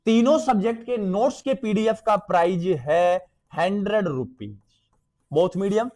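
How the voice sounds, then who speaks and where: A man's voice: sits high, animated, unhurried, warm tone. A man with a Hindi accent, teaching an exam revision lesson, calling his students beta and checking again and again that they follow.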